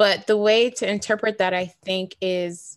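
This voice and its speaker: A woman with an American accent uses a normal speaking voice at medium pitch. She speaks at a fairly slow pace with fairly even intonation. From New York, US. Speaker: podcast host, cancer survivor. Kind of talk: interview conversation.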